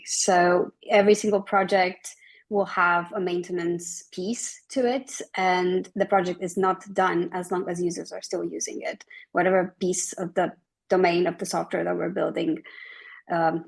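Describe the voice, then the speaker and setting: A woman's voice: fairly low pitch, creaky, husky. A woman in her thirties from Romania, an engineering leader on a video call panel, explaining her views in a thoughtful, articulate way. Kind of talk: video call roundtable discussion.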